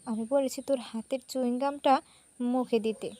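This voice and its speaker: A teasing young college man, as a woman reads him in her own high voice. He talks cheekily and plays jokes on his best friend. It sounds like a storybook read aloud. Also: steady tone, normal speed, warm tone, natural voice. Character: playful teasing young male college student.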